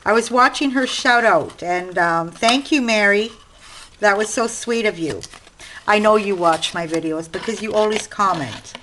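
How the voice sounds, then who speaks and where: A woman's voice: mid-range voice, measured pace, fairly bright tone, slight background noise, low-quality recording. Chatty crafting woman with Italian-American accent. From Sicily. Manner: chatty, explaining while working with hands. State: itchy throat, clearing it. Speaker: craft channel host. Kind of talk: casual craft tutorial. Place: home craft desk.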